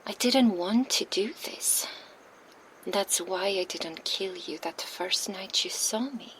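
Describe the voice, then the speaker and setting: A woman's voice: medium pitch, slight background noise, poor audio. A woman whispering as a taunting vampire. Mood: menacing. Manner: soft unvoiced whisper, slow and taunting. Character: cold, menacing female vampire enforcer. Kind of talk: ASMR roleplay, whispered. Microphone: binaural microphone.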